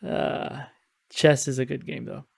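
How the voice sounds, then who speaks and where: A man's voice: medium pitch, fairly even intonation, measured pace, gravelly, darkish tone. A man co-hosting a gaming podcast, joking and teasing the others in casual chat. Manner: joking, teasing, laughs often. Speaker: podcast co-host.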